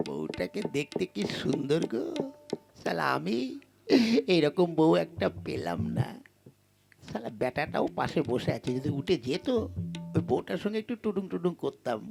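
A man's voice: fairly high pitch, big pitch swings, normal speed, creaky, long pauses. A man playing a lecherous, cowardly old priest in a puppet-show comedy, wheedling, muttering and stammering. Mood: leering. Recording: music under the dialogue.

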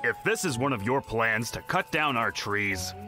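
A man playing a cautious, suspicious bear who leads sensibly, speaking in a stern, deliberate cartoon style. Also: mid-range voice, very animated, close to an everyday voice. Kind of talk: cartoon dub acting. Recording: music behind the voice.

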